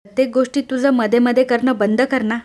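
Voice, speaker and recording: A headstrong young woman who brushes everyone off with scornful, snapping comebacks, as a woman narrator reads her part. The voice sits fairly high, sharp and dismissive as a recap of a TV serial plays out. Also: steady tone, fast talker, lightly acted. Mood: defiant. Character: defiant rebellious young woman sneaking out to a party.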